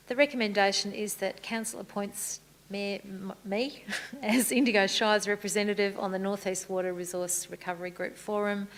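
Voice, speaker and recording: A woman serving as mayor and chairing a council meeting, moving briskly through formal procedure with light good humour. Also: medium pitch, slight background noise. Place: council chamber.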